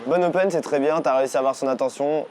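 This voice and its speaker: A man working as a dating coach, giving energetic, slangy coaching commentary out on a city street. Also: on the high side, quick pace, background noise. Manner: energetic, casual slangy talk.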